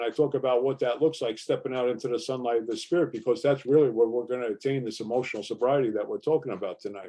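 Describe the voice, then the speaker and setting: A man at medium pitch speaks at a very fast pace in an American accent. His tone is dark and mellow, with fairly even intonation. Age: 60s. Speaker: recovering alcoholic speaker. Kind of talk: recovery meeting talk. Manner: casual, frequent fillers.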